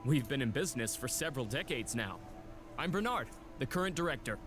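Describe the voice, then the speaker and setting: A man's voice: medium pitch, lively intonation, a little fast, natural voice. An actor playing a courteous, apologetic male shelter director, speaking in a formal, polite manner. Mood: earnest. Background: game music.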